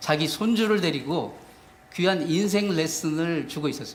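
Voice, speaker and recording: His intonation is lively as the man talks. The room echo can be heard around him. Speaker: pastor. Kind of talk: sermon. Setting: church. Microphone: audio problems in recording.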